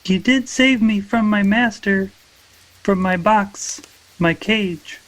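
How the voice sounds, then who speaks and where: A man's voice: high voice, slow pace, fairly bright tone, long reverb tail, pitched above the performer's own voice. A man voicing a small, earnest, devoted former captive in a fantasy tabletop game. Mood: earnest devotion. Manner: earnest, pleading.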